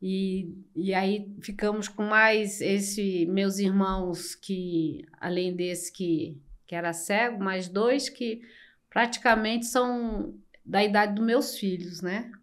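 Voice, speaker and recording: An older woman from Brazil, a podcast guest telling her life story slowly and reflectively, with many pauses. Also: mid-range voice, fairly even intonation. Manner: slow, reflective, with frequent pauses and fillers. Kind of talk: personal storytelling in an interview.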